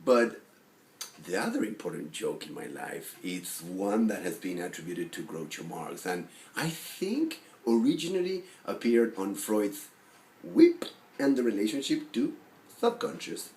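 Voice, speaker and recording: Man acting out neurotic, rambling forty-year-old guy, swooping pitch. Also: sing-song, darkish tone. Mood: dry, confiding. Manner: halting, rambling, full of fillers and restarts. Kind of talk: dramatic film monologue acting. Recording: roomy echo with faint background noise.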